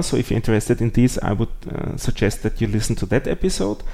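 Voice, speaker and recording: A man with a German accent speaks in a dark, mellow tone with ordinary pitch variation. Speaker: podcast host. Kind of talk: casual interview chat.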